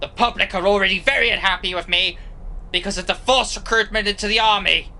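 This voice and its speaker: A man's voice: high-pitched, fairly even intonation, quick pace, vocal fry, bright, forceful tone, heavily acted. A man playing a ruthless, hot-headed general clinging to power in an audio play, aggressive and scheming.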